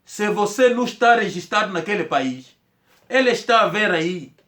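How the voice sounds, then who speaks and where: A man's voice: high voice, animated, moderate pace, a bit bright. A man tells a personal story in a casual monologue, rambling and repeating himself as he acts out quoted dialogue. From Angola. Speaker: commentator telling a personal story.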